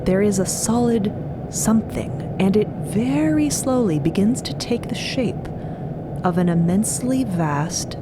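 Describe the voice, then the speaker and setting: A woman's voice: medium pitch, lively intonation, a little slow, very noisy. A woman narrating scripted fiction with emphatic, dramatic phrasing. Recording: loud music under the voice. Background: loud music.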